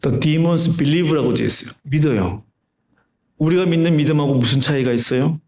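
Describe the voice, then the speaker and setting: Conversational pastor in a roomy sanctuary. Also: male voice, fairly high pitch, normal speed, a little mellow. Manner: conversational storytelling with rhetorical questions. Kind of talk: sermon. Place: church sanctuary. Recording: roomy church reverb.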